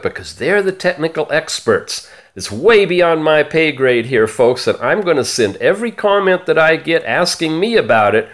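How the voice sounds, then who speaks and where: Animated, higher-voiced man hosting gadget news. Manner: animated, theatrical emphasis with drawn-out key words. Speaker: host of a smartwatch review channel. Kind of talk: upbeat product-news presentation to camera.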